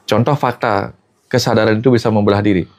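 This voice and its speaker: Gravelly low-voiced man telling a story. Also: fairly even intonation, fast talker, a little mellow. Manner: storytelling, repeats the host's name often; quotes people in the story. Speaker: spiritual teacher. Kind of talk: casual spiritual talk.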